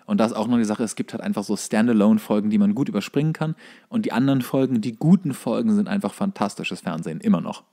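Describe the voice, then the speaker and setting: A man's voice: fairly low pitch, fast, dark tone. A man, a podcast co-host, chatting casually about films and series. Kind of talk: casual film and series chat.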